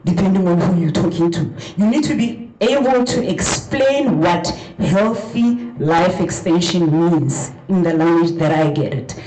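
A woman's voice: on the low side, animated, measured pace, dark tone, slight background noise. A middle-aged woman with a South African accent giving an earnest, emphatic conference talk from a lectern, repeating words for stress. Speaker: conference speaker. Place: large vaulted hall with stage and projector. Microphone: handheld mic at a lectern, room recording. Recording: echoey hall.

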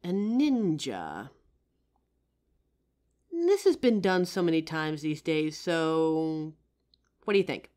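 A woman playing a kind, playful psychic who gently helps a ghost in an audio roleplay. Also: low voice, very animated, slow pace, long pauses, full character voice. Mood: helpful, chatty. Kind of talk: audio roleplay addressed to the listener.

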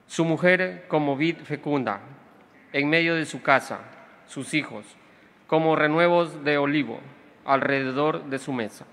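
A young man recites the psalm at an outdoor Mass in a clear, even way. His tone is bright and pressing, pitched a bit high. A long reverb from the sound system follows his words. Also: a little slow. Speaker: psalm reader. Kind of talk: reading a responsorial psalm. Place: outdoor tented stage. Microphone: stand microphone. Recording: reverberant public address sound.

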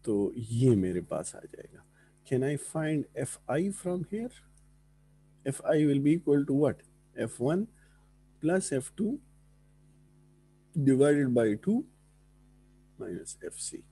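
A man with a South Asian accent teaches in a soft-edged, husky voice with a mellow, relaxed tone. He works through technical material as a lecturer, slipping between English and Hindi-Urdu phrases and putting short questions to his students. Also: mid-range voice, moderate pace, pauses often. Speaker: engineering lecturer. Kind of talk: classroom lecture with board working and questions to students.

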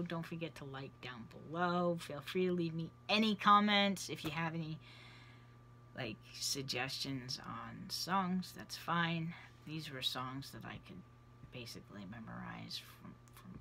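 A man's voice: a little high, bright, forceful tone, a little hiss or hum. A trans man in his thirties whose voice is changing on testosterone, chatting casually to camera in a small bedroom and often trailing off into a near whisper. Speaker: vlogger. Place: small cluttered bedroom indoors. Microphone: camera close at face level.

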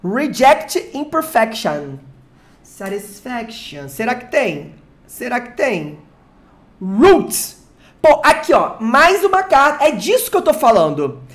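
An excitable, slangy streamer from Brazil opening card packs live, who swears and jokes with chat. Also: mid-range voice, slow pace. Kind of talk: live unboxing chat with viewers.

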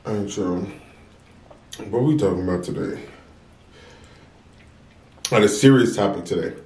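Low-voiced young American man, echoey room. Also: a little slow, a little mellow, a little hiss or hum. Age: young adult. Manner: informal, slangy, talks between mouthfuls. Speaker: mukbang vlogger. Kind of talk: casual chat to viewers while eating. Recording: roomy echo, distant mic.

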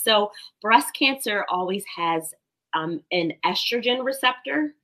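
A woman's voice: mid-range voice, expressive, measured pace, pushed and bright, poor audio. A woman in her thirties, a doctor guest explaining health facts confidently over a video call from home.

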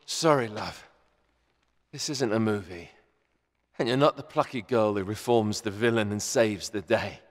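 A man acts out a wounded British video game villain, bitter and slyly mocking. His voice is fairly low and pained, ringing with long reverb. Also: unhurried, natural voice. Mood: bitter mockery. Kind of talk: video game cutscene acting.

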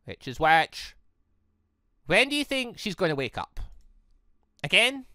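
A man reading a visual novel aloud with chatty, excitable commentary, jumping up in pitch when surprised, on a close desk mic. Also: unhurried, no echo. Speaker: gaming YouTuber.

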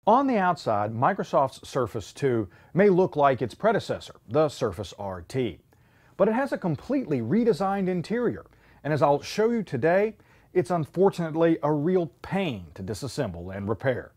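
Guy in his 30s hosting a tech teardown show, clear emphatic delivery, lots of up and down in his voice. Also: on the high side, very animated, moderate pace, a little mellow. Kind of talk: scripted tech teardown presentation. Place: indoor studio set with shelves.

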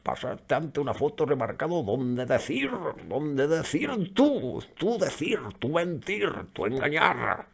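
A man's voice: a little high, big pitch swings, takes it slowly, gravelly, few pauses, voice pushed up, full character voice. A man voicing an angry male caveman with a club, grunting in broken pidgin phrases and drawing the words out.

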